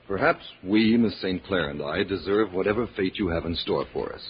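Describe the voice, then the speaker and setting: A captive doctor pleads gravely in a lowish, very raspy voice. The delivery is earnest radio-serial acting on a muffled old recording. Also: male voice, moderate pace. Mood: pleading, resigned.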